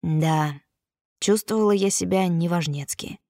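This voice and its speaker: A woman's voice: lowish voice, measured pace, dark tone, dry recording. A woman narrating a novel in the first person as an audiobook reader, close to the mic.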